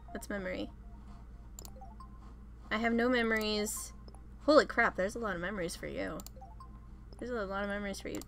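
A young woman hosting a let's play, rambling casually and laughing at herself as she clicks through game menus. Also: mid-range voice. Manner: chatty, giggly, self-deprecating. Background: soft background music.

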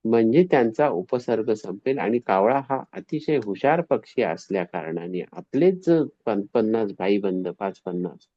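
A man telling a devotional story in an animated way, acting out the quoted voices. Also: fairly low pitch, no echo. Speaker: spiritual storyteller. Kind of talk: devotional discourse. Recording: dull, dry, slightly lo-fi recording.

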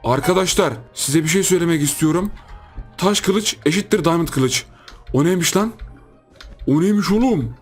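Excitable young gamer man. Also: fairly high pitch, normal speed, husky, faint music behind. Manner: excitable, joking, lots of exclamations and laughter. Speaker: gaming YouTuber. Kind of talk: casual gameplay commentary.

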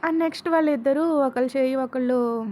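Woman storyteller, high pitch, casual narration, english words mixed in. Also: fairly quick, darkish tone.

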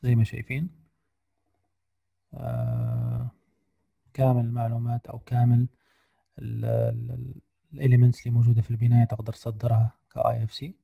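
A tired man giving a screen-share software lesson on a video call, hesitant with many fillers and English technical terms mixed in. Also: medium pitch, fairly quick, vocal fry, long pauses, no echo, narrow, tinny audio. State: tired, slightly unwell voice. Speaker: guest lecturer.

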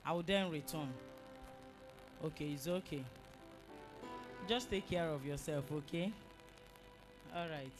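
A woman's voice: low voice, measured pace, pauses often, music in the background. A young woman playing a confident Christian student who scolds and preaches.

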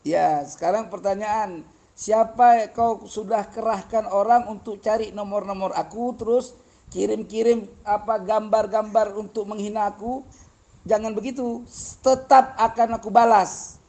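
A man's voice: high-pitched, steady tone, unhurried, vocal fry, dark tone. A man arguing heatedly on a live stream, answering viewers in a taunting, confrontational, mocking way and chuckling between points. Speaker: livestream debater answering viewers.

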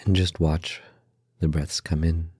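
A man with an extremely low, dark voice guides a meditation. He speaks calmly in short instructional phrases, leaving slow, unhurried space between them. The sound is close and dry. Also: slightly rough, no room sound.

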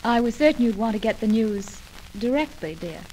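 A woman's voice: fairly high pitch, lively intonation, moderate pace, darkish tone, lightly acted. A woman playing a smug romantic rival in an old radio soap, sweetly condescending and polished, on a noisy old recording. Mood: falsely sweet. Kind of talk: 1940s radio soap acting.

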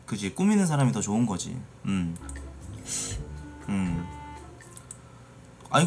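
A man in his late thirties chats casually on a live stream from a small green-screen room, reacting to videos and bluntly teasing and swearing at his viewers. His medium-pitched voice is a little mellow, with slight background noise.

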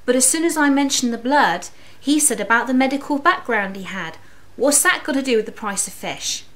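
A woman's voice: sits high, lively intonation, fairly quick, a bit bright. A woman in her thirties talking casually to camera in a living room, rambling a little with fillers. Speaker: vlogger.

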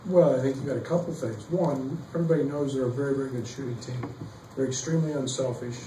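A middle-aged man, a basketball coach, answering questions at a postgame press conference, halting with many fillers and restarts. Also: mid-range voice, mellow. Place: press room behind a table. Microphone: table mic, heard from some distance. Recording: echoey room, distant mic, faint noise.

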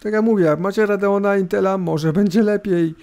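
A man's voice: sits high, fairly even intonation, fairly quick, a little mellow. A middle-aged man gives casual, rambling, hesitant commentary on a screencast, with laptop fan noise hissing behind him. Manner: informal, rambling, hesitant, with tag questions. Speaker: host of a tech review video. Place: indoors at a computer. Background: laptop fan hum.

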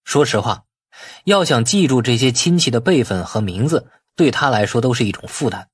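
Expressive, slightly husky male audiobook narrator. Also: medium pitch, moderate pace, no room sound, clean studio sound. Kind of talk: expressive scripted novel narration.

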